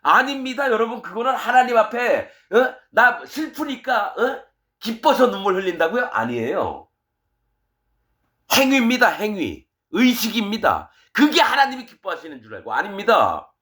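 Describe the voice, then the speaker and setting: A man's voice: sits high, sing-song, normal speed. Fiery, scolding male preacher. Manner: fiery, scolding, swings between loud bursts and quiet asides. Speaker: pastor. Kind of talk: sermon.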